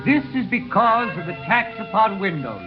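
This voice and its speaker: An actor playing a compassionate old bishop, giving a slow, solemn sermon in a 1930s radio drama, on a muffled old broadcast. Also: male voice, sits high, big pitch swings, music in the background. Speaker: bishop preaching.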